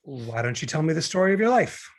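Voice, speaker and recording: A man's voice: on the high side, big pitch swings, fast. A man playing a glib, cynical young law graduate who argues and needles in a script table read. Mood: dry, probing. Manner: sardonic, argumentative, needling.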